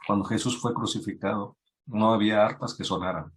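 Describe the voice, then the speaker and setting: A man preaching a sermon to young people, acting out pleading voices and rising in pitch when he stresses a point. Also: fairly even intonation, fairly quick. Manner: acts out biblical voices, rises in pitch when emphatic. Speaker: youth preacher.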